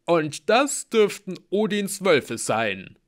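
A man reading aloud and voicing a hulking, gruff berserker who talks slowly and bluntly. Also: high-pitched, big pitch swings, voice pushed up, exaggerated voice. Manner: slow, blunt.

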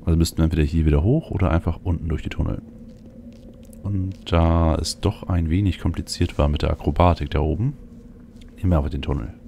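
A male let's play host with a dark, gravelly voice. He comments casually on a game, thinking aloud, with faint game ambience behind him. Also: rumbling low, steady tone, fast talker, a little hiss or hum.

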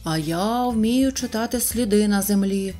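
A calm, wise toy chief, as a woman reads him speaks in slow, measured, solemn phrases. The tone is mellow and dark, and faint music plays beneath the storybook. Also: mid-range voice, lightly acted.

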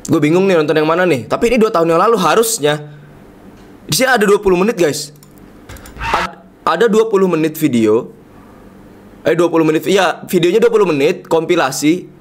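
A young adult man hosting a casual livestream, slangy and excitable, repeating his phrases, with a slightly hoarse voice. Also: a little high, a little fast, pauses often, slight background noise. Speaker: livestream host. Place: indoor streaming desk.

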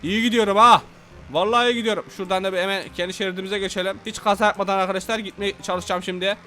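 Brief: young male let's-player, high and sharp-toned, rowdy trash talk, faint music behind. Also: steady tone, rapid-fire, slight background noise. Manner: rowdy, repeats himself, trash-talks. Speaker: gameplay commentator. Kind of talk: excited let's-play commentary.

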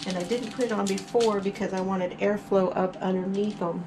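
A woman's voice: mid-range voice, fairly even intonation, fairly quick, noisy background. A middle-aged woman hosting her cooking channel, chatting through each step as she cooks in her home kitchen. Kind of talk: casual cook-along narration.

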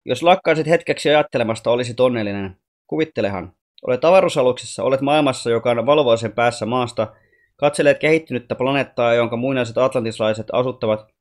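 Read by a man, the character is a wise, soft-spoken alien boy from the stars with a calm, patient manner. His middling pitch stays near a normal speaking voice as he teaches gently, storybook-style.

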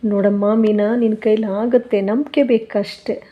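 A woman voicing a gentle young husband who coaxes and consoles his wife in a soft, preachy tone. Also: medium pitch, flat delivery, normal speed, dull audio, close to an everyday voice. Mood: reassuring. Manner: soothing, coaxing, preachy.

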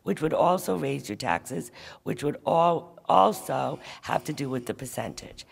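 A woman's voice: rumbling low, animated, measured pace, gravelly. A woman town council member speaking firmly at a public meeting, insisting on her points and repeating them. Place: large school auditorium. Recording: long hall reverb.

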